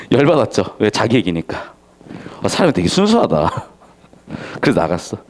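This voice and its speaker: A man teaching a literature class in a casual, lively way, acting out the characters' lines as he explains the story. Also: lowish voice. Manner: casual, animated, acts out characters' lines in quick asides.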